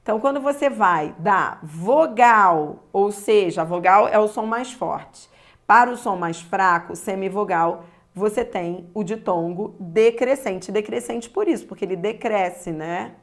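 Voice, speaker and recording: A Brazilian woman teaching a grammar lesson, stretching key words and speaking straight to the viewer. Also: mid-range voice. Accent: Brazilian Portuguese. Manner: slow and deliberate, stretching key words, addressing the viewer directly.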